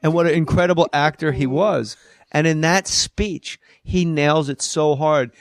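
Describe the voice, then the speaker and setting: A man hosting a comedy podcast, teasing his guest in quick, profane banter. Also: a little high, dry recording, clean studio sound. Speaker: podcast host. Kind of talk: casual comedy podcast chat.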